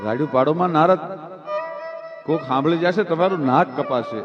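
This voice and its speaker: High-voiced storyteller with live music. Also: male voice, a little fast, muffled recording. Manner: dramatic, swings from hushed low narration to loud high-pitched sung couplets. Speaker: dayro storyteller. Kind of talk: devotional folk storytelling with sung verses.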